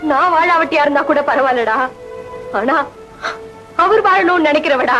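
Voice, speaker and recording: A devoted, long-suffering wife pleads through tears in old film melodrama. Her voice is high. A faint film score plays underneath. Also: moderate pace, sharp tone, faint music behind, poor audio. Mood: pleading. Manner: pleading, tearful.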